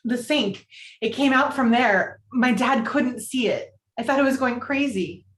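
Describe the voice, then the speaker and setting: A woman acting an earnest, anxious teenage girl confiding in her friends. Her voice is fairly high, and the room around it sounds echoey as she reads from a script. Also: measured pace, close to an everyday voice. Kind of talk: script read at a virtual table read. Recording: roomy, echoing home room.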